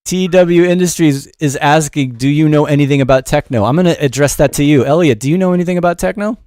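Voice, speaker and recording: A man's voice: a little high, fast, a little mellow. A middle-aged man giving a casual livestream music production lesson in a rambling, informal, self-deprecating way. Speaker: music production teacher and show host.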